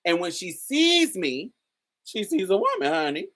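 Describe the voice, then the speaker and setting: A woman with a particularly deep voice, hosting a casual commentary and talking straight to her viewers in an emphatic, chatty way. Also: huge pitch swings, measured pace, fairly bright tone. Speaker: host.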